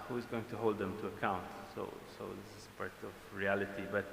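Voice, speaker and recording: A man's voice: on the low side, vocal fry, fairly bright tone, a little hiss or hum. A man giving a lecture, hesitant and full of fillers and restarts. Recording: echoey lecture hall.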